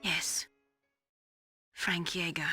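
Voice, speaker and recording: A woman voicing a wounded, bitter scientist in a video game, baring her past in a halting, emotional and intense way. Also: lowish voice, fairly even intonation, sharp tone, full character voice. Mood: bitter, grieving. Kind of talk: dramatic video game voice acting. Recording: dramatic music behind the voice.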